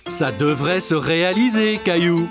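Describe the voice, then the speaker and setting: An actor playing a patient, reassuring father of young children in a children's cartoon, calm and encouraging over music. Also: mid-range voice, measured pace. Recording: music under the voice.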